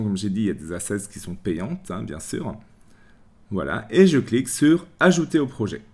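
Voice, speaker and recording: A man from France hosting a screen-recorded software tutorial, chatty, with many restarts, walking through each click. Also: medium pitch. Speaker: tutorial host.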